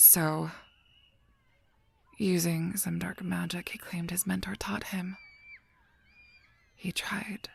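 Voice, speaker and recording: Breathy, low-voiced solemn guardian angel played by a woman. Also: exaggerated voice. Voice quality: soft, breathy, often near a whisper. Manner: measured, halting, solemn delivery. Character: gentle, guarded female guardian angel counseling a fairy. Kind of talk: scripted audio roleplay drama.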